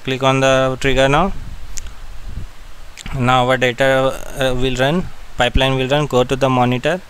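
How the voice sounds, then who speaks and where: A man with an Indian accent narrating a step-by-step software tutorial in short, repeated directions. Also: mid-range voice, flat delivery, moderate pace, slight background noise, rough recording.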